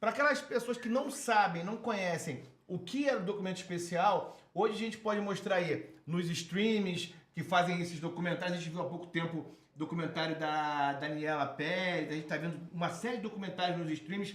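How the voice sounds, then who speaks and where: A man's high-pitched voice at a moderate pace with ordinary pitch variation, plus noticeable background noise and audible room echo. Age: 40s. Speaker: podcast co-host. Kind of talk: casual podcast chat.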